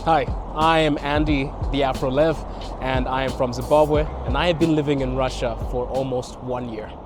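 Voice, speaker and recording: A man's voice: mid-range voice, fairly even intonation, moderate pace, music in the background. A man from Botswana, a guest content creator, answering interview questions outdoors in a reflective way and laughing between thoughts. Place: outdoors in a city park.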